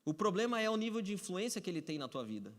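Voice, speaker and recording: A man's voice: high voice, very animated, quick pace. A Brazilian man preaching a Sunday sermon as pastor, conversational and repetitive with touches of humor. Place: church sanctuary. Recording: echoey hall reverb.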